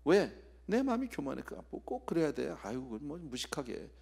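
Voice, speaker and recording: A man's voice: on the high side, very animated, a little fast, creaky, darkish tone, slightly rough. A male pastor preaching an expository sermon at a midweek prayer service. He acts out scenes, drops to whispers and puts rhetorical questions straight to the congregation.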